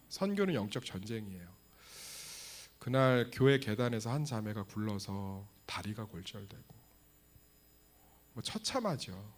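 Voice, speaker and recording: A male pastor preaches in a church with a very lively, swooping voice. He jokes with the congregation and keeps firing rhetorical questions at them. His voice sits at an ordinary male pitch. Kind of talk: lively sermon. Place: church sanctuary.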